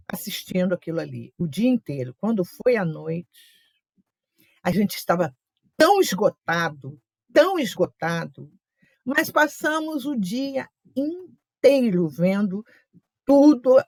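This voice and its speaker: Woman group leader, animated storyteller, higher voice, dry close sound. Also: gravelly, no echo. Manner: chatty storytelling with asides and quoted remarks. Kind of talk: casual teaching talk.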